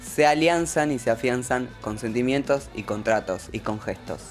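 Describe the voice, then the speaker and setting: A woman's voice: rumbling low, moderate pace, faint music behind. A woman with a Rioplatense accent, a guest poet talking casually on a radio show, emphatic and constantly asking if you follow her. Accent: Rioplatense Spanish. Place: radio studio.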